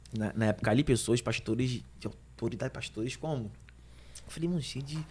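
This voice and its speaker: Somewhat breathy, a man at medium pitch talks at a fairly quick pace with ordinary pitch variation. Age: 30s. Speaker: itinerant pastor and barber. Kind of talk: testimony.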